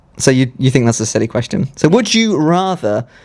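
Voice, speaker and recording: A medium-pitched man with a British accent and lively intonation. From UK. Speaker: podcast co-host. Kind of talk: casual chat.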